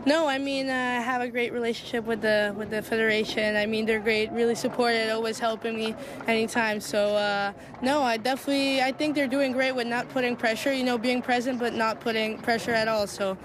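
A woman's voice: on the high side, fairly even intonation, brisk, hardly any pauses. An eighteen-year-old woman from Italy, a tennis player, answering upbeat with frequent fillers. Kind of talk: casual interview. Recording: outdoor street noise.

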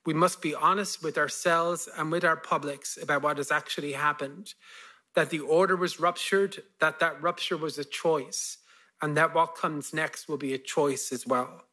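A man around fifty with an Irish accent, giving a measured policy lecture and then answering questions. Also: fairly high pitch, pushed and bright. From Ireland. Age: about 50. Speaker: guest speaker, foreign policy expert.

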